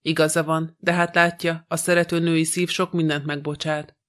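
A man reading the part of a calm, shrewd middle-aged detective in an audiobook, composed and dry. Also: on the high side, natural voice.

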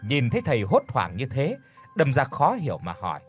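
A man's voice: medium pitch, wildly swooping pitch, normal speed, soft background music. A man narrating a horror story in a dramatic storytelling manner.

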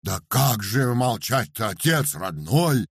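A loud, high, slow-wailing superstitious peasant with a gravelly, husky edge; dry audiobook sound. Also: male voice, sing-song, no echo, heavily acted. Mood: indignant. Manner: loud wailing complaint, drawn-out words. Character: wailing superstitious peasant man, pious, self-pitying.

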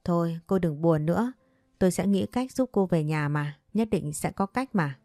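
A woman's voice: on the low side, expressive, normal speed, mellow, dry recording, studio quality. A woman voicing an earnest young man of twenty-seven who is haunted by a ghost, in a spoken ghost story.

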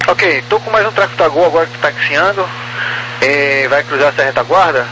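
A man's voice: on the high side, a little fast. A man working as an air traffic controller, giving procedural instructions over aviation radio. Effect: speaking over aviation radio. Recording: faint radio noise and hum.

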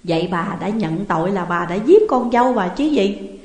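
A woman's voice: medium pitch, animated, moderate pace, darkish tone, close to an everyday voice. A woman voicing a stern male exorcist who questions and accuses like a judge. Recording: echoey room with long reverb.

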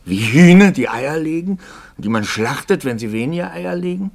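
An actor playing a troubled, doubting Catholic priest in a 1950s German radio play, brooding and intense, often dropping toward a whisper. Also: male voice, on the high side, animated, moderate pace, gravelly, darkish tone. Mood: agitated.

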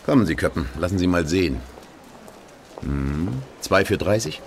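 An actor playing a shady, gruff black-market dealer in a radio play, curt and businesslike. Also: male voice, low voice, animated, moderate pace, background noise. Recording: busy crowd behind.

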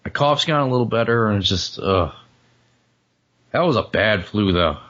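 Hoarse joking man with a lo-fi sound. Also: fairly low pitch, expressive, normal speed, a bit bright. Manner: joking, rambling, laughs often. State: hoarse, voice cutting out after flu. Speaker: podcast co-host. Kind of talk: casual comedic chat.

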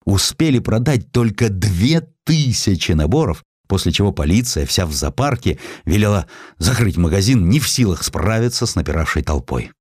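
A man narrating a historical sketch as an audiobook, telling it expressively and slowing down for quoted lines. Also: breathy edge, no room sound, studio quality. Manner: expressive storytelling, voices quotes with shifts of pitch and slowing down.

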